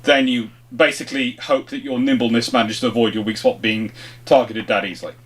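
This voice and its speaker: A man's voice: mid-range voice, fairly even intonation, fairly quick, a bit bright, breathy edge. A man hosting an informal question-and-answer chat, explaining things off the cuff and often rephrasing mid-thought. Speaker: host of a history question-and-answer show.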